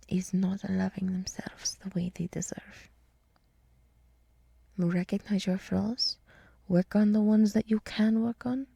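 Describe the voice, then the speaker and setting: Fully in character as a gentle, earnest deer woman for ASMR roleplay, a woman whispers most of her lines in a soft, breathy, mid-range voice. She rambles along encouragingly, and the recording is dry.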